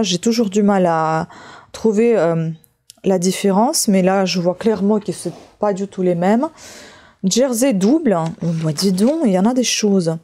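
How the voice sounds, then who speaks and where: A woman with a Russian accent, a native Russian speaker, chatting casually and a little haltingly as she thinks aloud for a craft vlog. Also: mid-range voice, mellow. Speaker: craft vlogger. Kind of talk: casual unboxing chat while leafing through a book.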